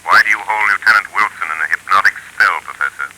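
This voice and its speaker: Taunting mysterious avenger, very deep, bright edge, old radio hiss. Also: male voice, rough recording. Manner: sinister laugh, slow threatening delivery. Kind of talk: 1930s radio drama acting. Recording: hissy old 1930s radio broadcast.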